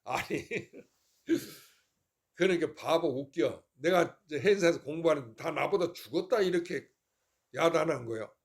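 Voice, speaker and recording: A man's voice: on the high side, lively intonation, moderate pace, creaky. An older man, a Buddhist monk, giving a folksy, informal Dharma talk to his temple congregation and often asking whether they follow him.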